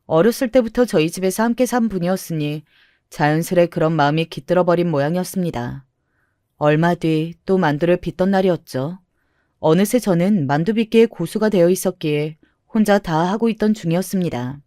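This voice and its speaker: Lowish woman narrating a first-person story. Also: brisk, warm tone, dry recording, studio quality.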